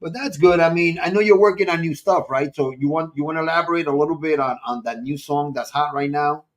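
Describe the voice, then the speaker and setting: A man with a slightly high voice hosts a casual live online show. He chats with his guest and viewers in an exclamatory way, often repeating himself. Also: fast.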